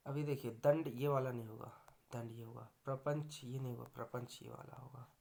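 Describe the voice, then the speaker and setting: A man's voice: mid-range voice, fairly even intonation, normal speed, creaky, darkish tone. A man teaching a grammar lecture for exam students, going through correct and wrong spellings word by word.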